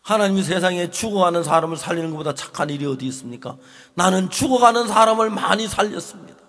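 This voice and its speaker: A man's voice: high-pitched, quick pace, a bit bright, pitched above the performer's own voice. A man voicing his stubborn, boastful elderly father with a Gyeongsang accent, speaking emphatically and indignantly. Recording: long reverb of a large hall.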